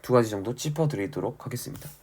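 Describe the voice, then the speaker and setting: A man teaching an exam-prep class, his voice husky and a little worn by a sore throat. His pitch rises and falls in a lively way as he drives points home. He explains step by step like a schoolteacher, often checking that listeners are following. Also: fast talker. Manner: didactic, emphatic, often checks understanding. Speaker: Korean language and literature teacher.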